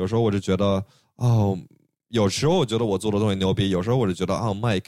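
A man is speaking. His pitch is fairly low. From US. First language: English (speaking Chinese). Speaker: electronic music producer. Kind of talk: casual chat. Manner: halting.

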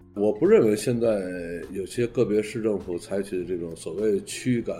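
With a strong Beijing accent, the speaker talks at a moderate pace with lively intonation. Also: man. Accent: strong Beijing hutong. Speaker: urban planning professor. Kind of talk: interview, expert explanation.

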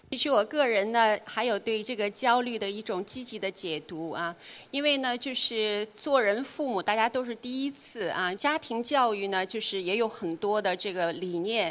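An unremarkable speaking voice moves at a moderate pace with hardly any pauses. Its pitch varies in an ordinary way. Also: woman, fairly high pitch for a woman. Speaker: school principal and educator. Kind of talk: panel discussion.

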